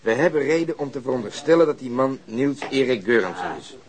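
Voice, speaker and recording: An actor playing a composed, persistent police detective in a radio crime drama, polite, firm and matter-of-fact. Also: male voice, medium pitch, animated, a little fast, lightly acted.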